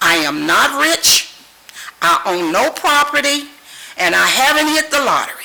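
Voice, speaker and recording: A woman with an American accent and very wide pitch swings, amid audible room echo and noticeable background noise. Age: 70s. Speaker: resident speaking at public comment. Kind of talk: public comment speech. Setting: city council meeting. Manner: impassioned.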